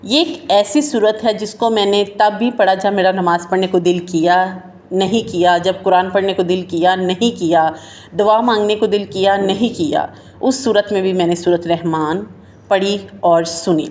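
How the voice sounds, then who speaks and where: A woman talking to her viewers in a casual, heartfelt way, warm and chatty, like a friend sharing advice. she keeps tossing in little fillers and speaks in an even, mid-range voice. she addresses everyone as her sisters and friends. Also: medium pitch. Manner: conversational, often adds the filler "jo hai na". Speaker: motivational talk host.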